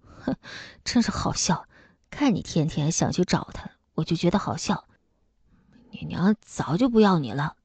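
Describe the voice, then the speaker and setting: A woman voicing a spiteful, sick old father in an audiobook, who sneers and gloats in a low, half-whispered voice. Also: very animated, a little slow, pauses often, darkish tone, breathy edge, no room sound, exaggerated voice. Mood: gloating scorn. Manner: mocking and gloating. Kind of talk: audiobook character voice.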